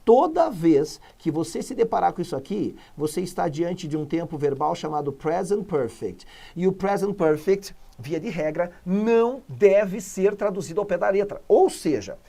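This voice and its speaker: An energetic male teacher from Brazil runs a chatty exam-prep lesson, stressing points with emphasis. His voice has a gravelly edge and a dark, mellow tone. He is recorded close to the mic. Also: on the high side. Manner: enthusiastic, chatty, emphatic, explains step by step.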